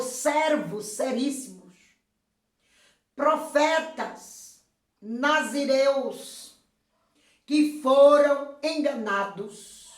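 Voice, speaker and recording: A hoarse woman pastor, fairly high-pitched, speaks slowly and with emphasis, often stopping to give praise. Her voice is recorded from some distance in an echoey room. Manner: slow, emphatic preaching with frequent praise interjections. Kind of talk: sermon-style video message.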